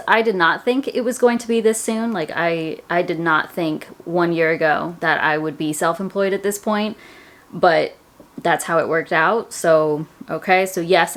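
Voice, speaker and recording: A woman's voice: lowish voice, moderate pace. A woman, chatting casually to her viewers about her personal finance goals, rambling with lots of "like"s. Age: 30s. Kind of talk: casual chat to camera.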